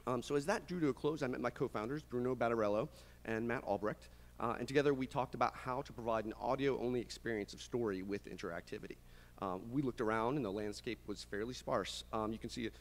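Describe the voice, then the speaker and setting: A man in his thirties giving a conference presentation as a game writer, hesitant and often restarting his sentences. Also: medium pitch. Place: medium conference room, indoors. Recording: reverberant conference room, clear background noise.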